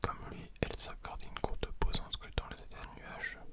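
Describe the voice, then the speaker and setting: Whispered words come at a fairly slow pace against noticeable background noise. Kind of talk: whispered reading of a story.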